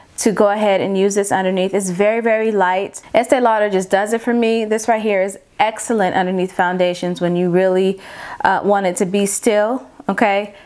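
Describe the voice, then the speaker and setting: Ordinary pitch variation at a moderate pace. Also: woman. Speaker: beauty youtuber. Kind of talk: product review tutorial. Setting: home video with mic. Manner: loud; casual, filler-heavy.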